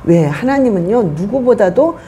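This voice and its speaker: A woman's voice: medium pitch, animated, moderate pace, warm tone, a little hiss or hum. A woman pastor preaching a sermon to her congregation, emphatic and full of rhetorical questions. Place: church.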